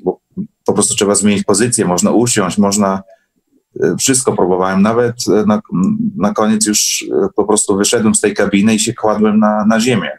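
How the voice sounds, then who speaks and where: Casting: male guest, fairly low voice, informal online chat, halting delivery with repeated words. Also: steady tone. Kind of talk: casual chat in an online meeting.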